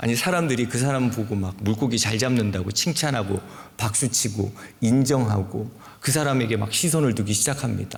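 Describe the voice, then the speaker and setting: A man talks with a Busan accent and a somewhat breathy voice. Audible room echo surrounds him. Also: medium pitch for a man, ordinary pitch variation, moderate pace. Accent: Busan dialect (Gyeongsang). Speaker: pastor. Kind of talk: sermon.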